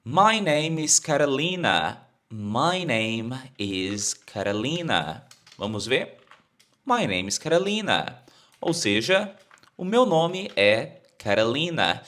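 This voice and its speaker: Brazilian teacher with an animated, lively voice. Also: male voice, medium pitch. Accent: Brazilian Portuguese. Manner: repeats phrases slowly for learners to copy. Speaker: English teacher. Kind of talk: explaining an English lesson.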